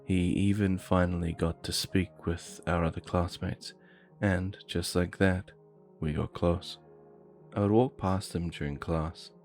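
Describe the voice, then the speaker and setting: A man with a very deep, gravelly voice reads out a creepy story at an unhurried pace. His tone stays flat and even as faint music plays underneath. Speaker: narrator. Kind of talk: scripted horror story narration.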